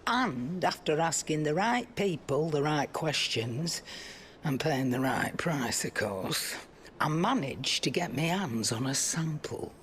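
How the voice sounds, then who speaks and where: An actress playing a seasoned, wry black-market trader in a video game, with a British accent and a colloquial storytelling manner. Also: female voice, low-pitched, animated, slow pace, a little hiss or hum. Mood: wry, confiding. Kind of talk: video game cutscene acting.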